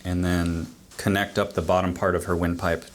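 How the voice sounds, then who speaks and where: A man with a very low voice, a doctor explaining a medical procedure in an interview. He talks plainly, walking through each step. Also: little pitch movement, moderate pace, a little hiss or hum.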